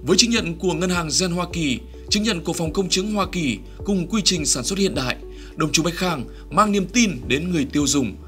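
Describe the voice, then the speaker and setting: A man's voice: fairly high pitch, animated, a little fast, bright, forceful tone. A man reading a scripted commercial voice-over as an advert announcer. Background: music.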